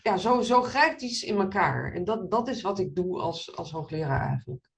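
A middle-aged woman surgeon and professor, answering interview questions in an animated, storytelling way with many restarts. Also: fairly low pitch, normal speed, gravelly. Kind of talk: interview in front of an audience.

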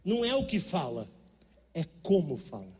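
A man's voice: on the high side, huge pitch swings, normal speed, darkish tone, husky, big-room sound. A middle-aged Brazilian man preaching a sermon, telling stories in an emphatic, conversational way. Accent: Brazilian Portuguese. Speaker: pastor. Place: church.

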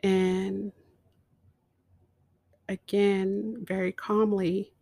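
A woman telling a personal story in a slow, emotional way, with dramatic pauses. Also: mid-range voice, little pitch movement, gravelly, dark tone, dry recording, clean studio sound. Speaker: speaker.

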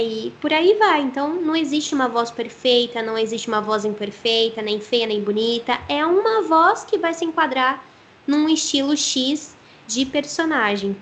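A woman's voice: fairly high pitch, slight background noise. A Brazilian woman who works as a voice actress, explaining her craft thoughtfully in an interview. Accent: Brazilian Portuguese.

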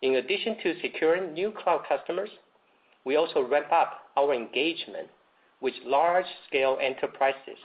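A man's voice: on the high side, normal speed. Man reading formally on dull lo-fi audio. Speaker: company executive. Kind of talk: scripted earnings call presentation, read aloud. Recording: dull lo-fi conference call audio.

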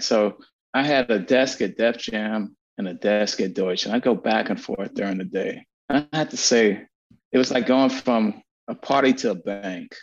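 A man with a somewhat low, husky voice talks as a guest in a podcast interview. He tells stories bluntly and with energy, swearing freely and repeating words as he goes. The audio is dull and lo-fi. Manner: animated storytelling, frequent profanity and repetitions. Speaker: guest, agency founder and strategist.

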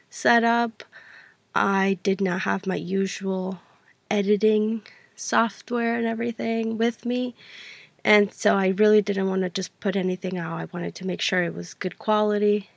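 A woman's voice: mid-range voice, level tone, measured pace, creaky, no echo. A young adult woman hosting a podcast, talking casually and rambling with lots of fillers, her voice stuffy from allergies. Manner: chatty, rambling, self-correcting with many fillers. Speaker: podcast host. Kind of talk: casual solo podcast talk.

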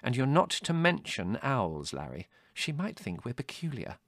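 A man voicing a middle-aged mother in an audiobook, gentle and fond, fussing and soothing but firm. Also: medium pitch, sing-song, a little fast, gravelly, dry recording, studio quality, voice pushed up. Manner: hesitant, soothing, fond protests. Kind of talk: audiobook character dialogue.

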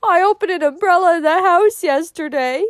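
A woman's voice: very high-pitched, normal speed, no room sound, clean studio sound, pitched above the performer's own voice. A woman voicing a prim female relative from a storybook, genteel and sniffing in manner. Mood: foreboding. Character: prim, soothing, superstitious female cousin.

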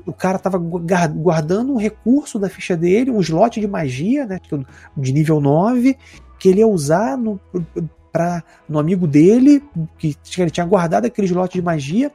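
Brazilian guy rambling on a podcast, gravelly dark voice, faint music behind. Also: high voice, moderate pace, no echo. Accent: Brazilian Portuguese. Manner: relaxed, rambling, slangy. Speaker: podcast co-host. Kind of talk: casual chat about tabletop games.

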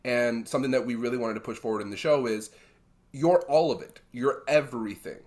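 A man who is an actor, a guest in an interview, speaking in an animated, emphatic way. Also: medium pitch, a little fast. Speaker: actor, cast member guest. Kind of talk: casual interview chat.

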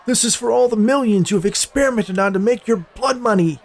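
A man voicing an angry attacker bent on revenge in an audio story, shouting with passion. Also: extremely high pitch, fairly quick, gravelly, pitched above the performer's own voice, exaggerated voice. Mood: enraged. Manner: shouting, impassioned.

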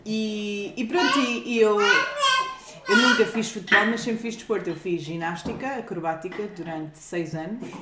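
A woman with a mid-pitched voice and a European Portuguese accent, chatting informally and a little self-deprecatingly. She is in an echoey room with very loud clatter of dishes and pans around her. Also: big pitch swings, unhurried, very noisy. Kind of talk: casual chat.

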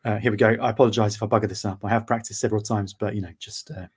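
A man with a British accent, a guest author chatting and reading his own story aloud in a measured, self-deprecating way. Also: lowish voice, steady tone, slightly rough.

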